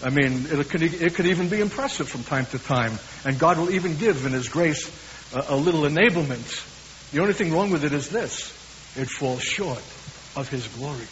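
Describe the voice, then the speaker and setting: A man with a Brooklyn accent preaching a sermon, earnest and emphatic, slowing down for weighty lines. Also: fairly high pitch, animated, fairly bright tone. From USA. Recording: hissy, dull recording in a reverberant hall.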